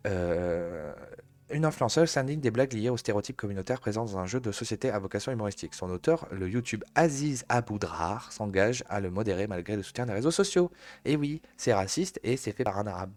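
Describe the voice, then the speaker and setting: A man's voice: fairly low pitch, expressive, brisk, darkish tone. A man from France hosting a live news review, talking in a blunt, sarcastic, mocking way. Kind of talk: casual live commentary.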